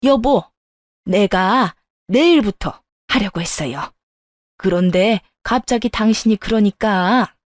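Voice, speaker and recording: A woman voicing a selfish middle-aged mother-in-law who shouts and then pleads, in a dry close recording. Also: mid-range voice, slow pace, no room sound, lightly acted. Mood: pleading. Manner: yelling, then pleading and whiny.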